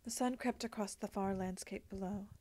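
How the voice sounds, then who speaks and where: A woman's voice: medium pitch, fairly even intonation, normal speed, darkish tone, a little hiss or hum. A woman giving a scripted storybook narration as an amateur voice actor.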